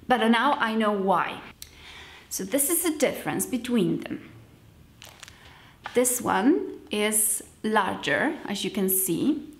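A young adult woman, chatting casually and cheerfully to camera like a vlogger. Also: medium pitch. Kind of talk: casual vlog chat to camera. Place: sparsely furnished room with wooden floor, indoors. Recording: roomy echo.

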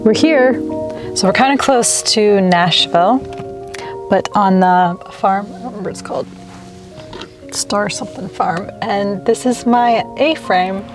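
A woman's voice: mid-range voice, unhurried, over music. Anxious rambling young woman vlogging. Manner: anxious, rambling with many restarts and fillers. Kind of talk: casual vlog talk to camera. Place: inside a car, then a small cabin and outdoors. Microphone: handheld camera at arm's length.

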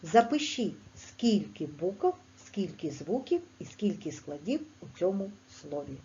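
Slow sing-song Ukrainian woman teacher. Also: dull audio, a little hiss or hum. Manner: slow, clear, sing-song teacher talk with lively pitch. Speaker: primary school teacher. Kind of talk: online language lesson for children.

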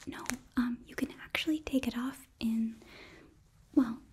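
A young woman playing an eager, apologetic demon princess who runs a hotel, gently whispering in an ASMR roleplay with a hesitant manner. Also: fairly high pitch, a little slow, slight background noise, close to an everyday voice. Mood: gentle, reassuring. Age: young adult. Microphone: close microphone, seated before camera.

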